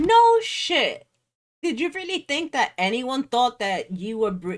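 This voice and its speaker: Mumbling at a very slow pace, a woman speaks loudly with very wide pitch swings. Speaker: reaction commentator. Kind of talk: reaction commentary.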